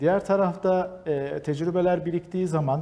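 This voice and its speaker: This man's voice has a dark, mellow tone. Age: 30s. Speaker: family counselor and TV presenter. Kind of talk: TV program introduction. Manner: formal; hesitant fillers.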